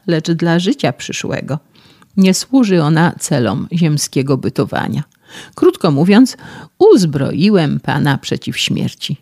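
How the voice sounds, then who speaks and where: A man's voice: a little high, gravelly, mellow, heavily acted. A man reading an audiobook, voicing a self-assured physician who lectures a young man in a sermonizing, patronizing way.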